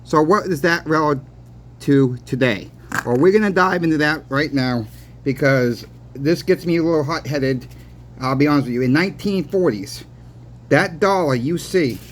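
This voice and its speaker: A man talking casually to viewers as a plainspoken explainer, repeating his points and posing rhetorical questions. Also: fairly high pitch. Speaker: host of a coin and silver channel. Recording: clearly noisy background.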